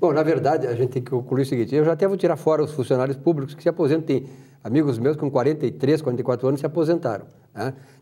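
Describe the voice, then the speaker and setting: A man speaks at a very fast pace in a fairly high, somewhat breathy voice with a dark, mellow tone. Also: ordinary pitch variation. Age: 60s. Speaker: TV economics show host. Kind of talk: studio interview. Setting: studio.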